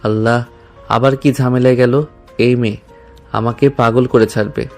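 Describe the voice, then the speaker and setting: Man acting an anxious, flat-toned young husband. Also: mid-range voice, moderate pace, lightly acted. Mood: worried. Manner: worried, pleading. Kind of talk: dramatized audio love story. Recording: music under the voice.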